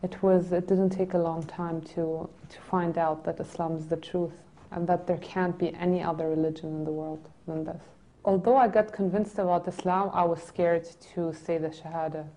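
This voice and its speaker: A woman in her twenties from a Greek family in Germany, calmly recounting her own story in a seated studio interview. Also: fairly low pitch, normal speed, poor audio. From Greek family, born in Germany. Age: 20s. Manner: reflective, soft, with frequent restarts. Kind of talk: personal testimony interview. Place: indoor studio set with red curtains.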